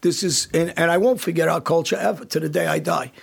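Gravelly guy on a podcast, kinda husky, blunt and emphatic, keeps restarting. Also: on the high side, fairly even intonation, fast. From United States. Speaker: podcast host. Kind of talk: casual chat.

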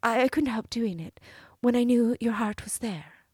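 A woman voicing a young princess who coaxes and wheedles in a raised, sweet voice, breathy throughout. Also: a little high, moderate pace, darkish tone, no room sound, clean studio sound, pitched above the performer's own voice. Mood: coaxing. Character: young princess, coaxing and cunning.

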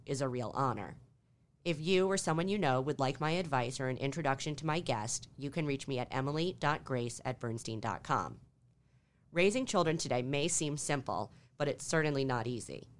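Podcast host, woman, 40s, very deep voice, measured and polished. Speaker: podcast host, wealth advisor. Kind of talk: scripted podcast intro and interview.

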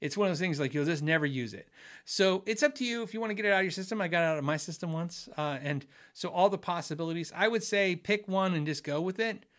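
A middle-aged man hosts a casual livestream from his home office, reading out viewer messages in a rambling way, restarting often and using many fillers. His voice is high-pitched and fairly bright, and he talks fast.

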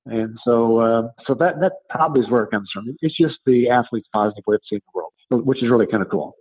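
Man in his seventies, husky tone, halting conversational explaining, repeated words, dull narrow-band recording. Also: mid-range voice. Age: 70s. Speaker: coach and book author. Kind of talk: interview answer, conversational explaining.

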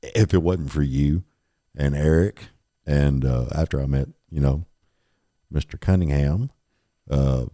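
A middle-aged man with a very deep voice hosting a podcast, chatting in a rambling, laid-back way. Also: unhurried, mellow, no echo, clean studio sound. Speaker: podcast host. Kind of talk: casual chat.

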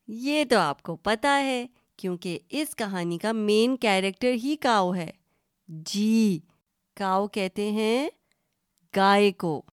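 A woman's voice: mid-range voice, clear, resonant tone, no echo, clean studio sound. A woman hosting a children's story podcast, telling stories and quizzing young listeners in a friendly, teacherly way that mixes Urdu and English.

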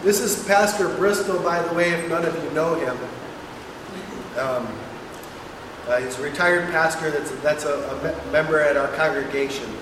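A man's voice: on the high side, moderate pace. A man speaking as a pastor at a church service, struggling with his voice as he addresses the congregation. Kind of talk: sermon. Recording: echoey hall with long reverb, clear noise.

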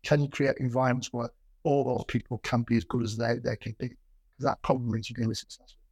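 Middle aged guy w a stammer, husky voice, exec being interviewed, plain talking and chatty, repeats words, dry sound. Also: medium pitch, fairly even intonation, fast, a little mellow, no echo. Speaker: business executive being interviewed. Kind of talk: reflective conversational interview with anecdotes.

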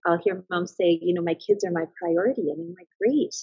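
A woman's voice: lowish voice, fairly quick, creaky, husky, no room sound. A woman in her thirties, a mother and business owner, speaking as a podcast guest in a thoughtful, earnest way, often restarting her sentences. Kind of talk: casual reflective interview talk. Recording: slightly dull, lo-fi sound.

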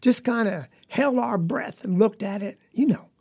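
Sincere poor Southern farm boy, told by a man, rural drawl, rambling, creaky husky tone. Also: high voice, unhurried, darkish tone, exaggerated voice. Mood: eager. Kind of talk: storytelling monologue.

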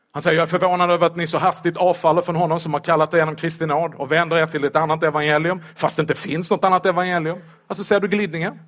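A man preaching a sermon in church, lively and humorous, asking rhetorical questions of the congregation. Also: fairly high pitch.

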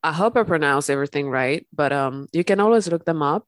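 A woman hosting a spiritual podcast, talking gently and calmly while congested from an illness. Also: deep voice, brisk, no echo. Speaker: podcast host. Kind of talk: calm spiritual podcast talk.

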